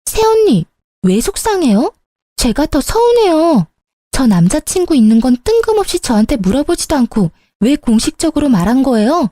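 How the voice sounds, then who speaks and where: A woman's voice: high voice, big pitch swings, moderate pace, dark tone, no room sound, studio quality, voice pushed up. A woman voicing a sulky, complaining young sister-in-law in a story radio drama.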